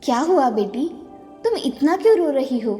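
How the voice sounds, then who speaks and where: A woman voicing a kind forest fairy queen who speaks gently and soothingly in an animated storybook. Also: high voice, moderate pace, faint music behind. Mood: gentle.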